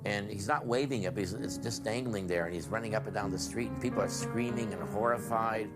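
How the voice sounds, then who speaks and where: A man telling a vivid anecdote in a quick, animated way. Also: lowish voice, over music. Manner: rapid, vivid storytelling. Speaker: interviewee.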